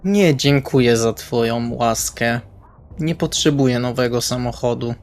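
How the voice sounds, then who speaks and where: A man's voice: mid-range voice, a little slow, lightly acted. A man playing a tense, sardonic male vampire in a roleplaying game, speaking in wordy, formal, dry phrases. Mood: dry, irritated. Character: stiff, irritable, sardonic male vampire driver with formal diction.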